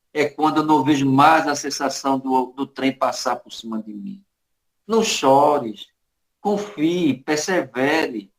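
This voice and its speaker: A man voicing the grateful spirit of a young man who took his life, speaking softly and consolingly. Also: on the high side, roomy sound, low-quality recording. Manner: soft, consoling, pleading. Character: grateful male spirit of a young suicide, gentle.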